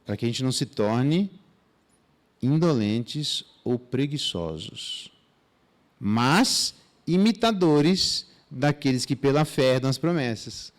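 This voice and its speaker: Animated Brazilian pastor, lively pitch. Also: male voice. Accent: Brazilian Portuguese. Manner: casual and animated, with slang asides and mock dialogues. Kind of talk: expository Bible teaching. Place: church.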